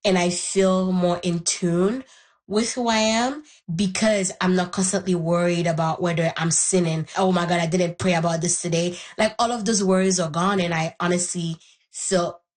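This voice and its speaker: A woman's voice: lowish voice, steady tone, normal speed. A young woman from Haiti whose first language is Haitian Creole, thoughtfully telling her own story as an interview guest and searching for the right words. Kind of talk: reflective personal story.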